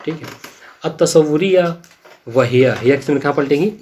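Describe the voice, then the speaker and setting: A man's voice: fairly high pitch, a little mellow, a little hiss or hum. A man teaching a class on legal theory. He recites passages of Arabic text, explains them, and keeps asking his students whether they follow. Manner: quizzes students, checks understanding often.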